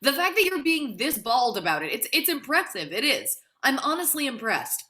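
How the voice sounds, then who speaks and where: A woman's voice: high voice, sing-song, normal speed, sharp tone, full character voice. A woman playing an indignant, proud young male grad student with cutting sarcasm in a dramatic table read. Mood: incredulous.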